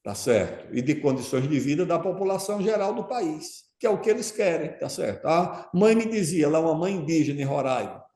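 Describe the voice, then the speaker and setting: A man with a fairly high yet mellow, warm voice talks as an interview guest. He makes his points emphatically and keeps pausing to check his listener is following. The sound is roomy, with a noticeable echo. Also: animated. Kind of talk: conversational interview answer.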